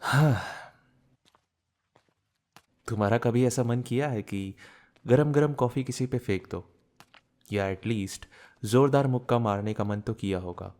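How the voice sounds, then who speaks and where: A man's voice: mid-range voice, measured pace, pauses often, a little mellow, lightly acted. A man playing a disgruntled working man, venting wryly and conversationally in an audio romance drama. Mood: fed up. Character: disgruntled working man fed up with his boss.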